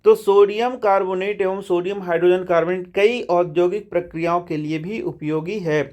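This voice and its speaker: A man's voice: high-pitched, fairly even intonation, moderate pace, darkish tone. A man teaching a science lesson line by line from the textbook, chatty, calling his students brother and asking questions that he answers himself. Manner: chatty, addresses students as bhai.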